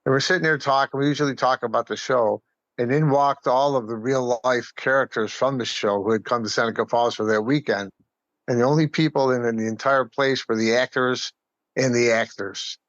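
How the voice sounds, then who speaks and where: A man's voice: mid-range voice, steady tone, fairly quick, fairly bright tone, dry recording. An American man of middle age or older telling casual stories as an amateur actor on a slightly dull recording. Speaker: community theater actor and podcast guest. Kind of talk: casual storytelling.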